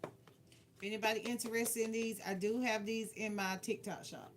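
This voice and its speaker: With a fairly high, steady voice at a moderate pace, a woman hosts a laid-back tarot livestream. Her advice is teasing and frank, and she repeats phrases to make her point. The background is noticeably noisy, with clicks.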